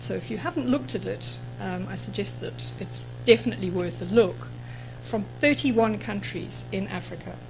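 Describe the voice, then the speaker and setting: A woman's voice: medium pitch, a little mellow, slight background noise, low-quality recording. Zimbabwean woman giving a conference talk. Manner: measured, explanatory, frequent ums. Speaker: conference speaker. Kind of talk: conference presentation. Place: conference room.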